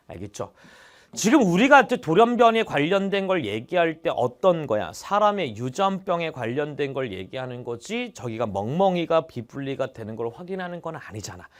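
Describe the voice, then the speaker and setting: A young man teaching biology in an online exam-prep lecture, chatty and animated, constantly checking in with his students and breaking into little exclamations. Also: a little high, normal speed. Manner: animated, exclaims mid-explanation. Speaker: biology tutor.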